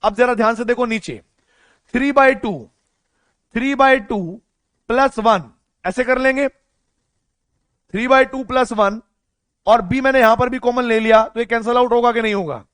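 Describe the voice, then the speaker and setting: High-pitched young male chemistry teacher, dry sound. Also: clean tone, no room sound. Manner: coaxing, asks students questions and answers them himself; speaks softly and slowly on purpose. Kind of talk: online lecture. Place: home recording room.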